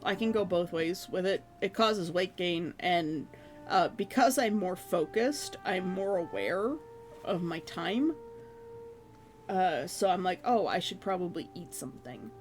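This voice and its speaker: Hoarse, rambling streamer over faint music. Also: medium pitch, expressive, unhurried. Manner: rambling, self-deprecating, laughs often. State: hoarse, losing voice. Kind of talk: casual chat with viewers. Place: own room at home.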